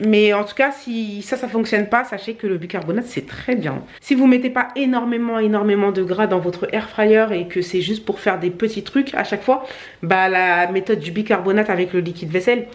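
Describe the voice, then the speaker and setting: Holding her phone indoors at home, a young woman records a casual vlog for her viewers. She speaks in a mid-range voice at normal speed, keeping things chatty, upbeat, and slangy.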